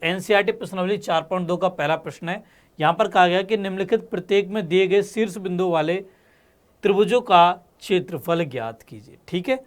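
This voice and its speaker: A high-voiced man leads a maths lesson, patiently and methodically talking students through every step of the working. He checks in with them often and fondly calls them "beta" and "bachche."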